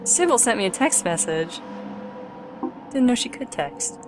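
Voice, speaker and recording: A woman's voice: fairly high pitch, very animated, unhurried. Irreverent woman doing gameplay commentary over music. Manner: irreverent, joking, swears casually. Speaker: let's play host, playing the game. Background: game music.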